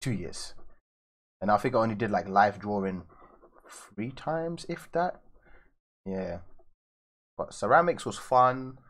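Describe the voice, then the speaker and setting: Casting: easygoing young London guy, slightly low voice, loose streamer chatter at a desk. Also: slow, long pauses, a bit bright. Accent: London English. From raised in London, England. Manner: loose and chatty, answering viewers. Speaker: artist streaming live. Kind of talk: casual live-stream chat while drawing. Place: indoors at a drawing desk.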